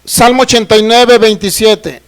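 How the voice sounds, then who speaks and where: A man from Mexico preaching a sermon, reading scripture aloud slowly and often checking that the congregation understands. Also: high voice, fairly even intonation. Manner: asks the congregation frequent check questions. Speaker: pastor. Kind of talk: sermon, Bible teaching.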